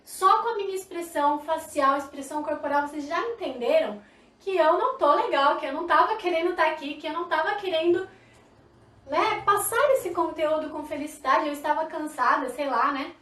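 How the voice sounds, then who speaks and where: Uma mulher com sotaque brasileiro, dando uma aula online ao vivo de língua de sinais, animada e demonstrativa, falando direto com os espectadores. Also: female voice, high voice, brisk, reverberant, recorded from a distance. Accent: Brazilian Portuguese. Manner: lively, demonstrative, talks to viewers directly. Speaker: sign language teacher. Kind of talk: live online lesson. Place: indoor room, live stream.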